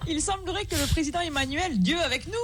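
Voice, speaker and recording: A woman's voice: very high-pitched, fast talker, soft background music. A woman hosting a comedy radio show, teasing her guests with dry put-downs. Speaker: host.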